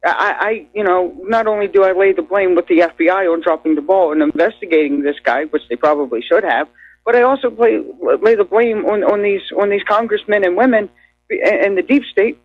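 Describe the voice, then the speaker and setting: Excitable high-pitched male caller on a dull, dry phone line. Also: dry recording. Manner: excited, stumbling restarts. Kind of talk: phoned-in radio call.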